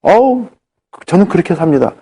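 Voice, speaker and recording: A stubborn, hot-tempered male cancer patient, as a man acts him out in a story, who snaps back indignantly and scolds. The voice sits well above a normal male pitch and swings widely. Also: sing-song, normal speed, mellow, breathy edge, heavily acted. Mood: smug, boastful.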